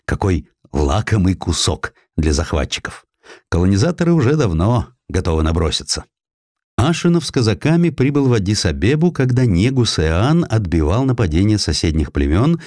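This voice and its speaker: A man reads a historical tale as scripted audiobook narration, with a dramatic, expressive storytelling delivery. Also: on the low side, moderate pace, dry recording, studio quality.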